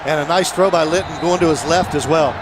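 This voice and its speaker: A male play-by-play announcer calls a live football game. His voice sits a little high for a man. Crowd and stadium noise are clearly heard behind the broadcast mic. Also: fairly even intonation, brisk. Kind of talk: live American football commentary.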